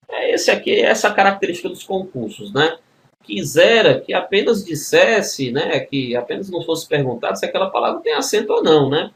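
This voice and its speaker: A man's voice: on the high side, slight background noise. A man with a Brazilian Portuguese accent teaching a grammar lesson for exam preparation, walking through questions step by step and checking with the students as he goes. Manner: explains step by step, with constant tag questions; addresses students as a group. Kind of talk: recorded exam-prep video lesson.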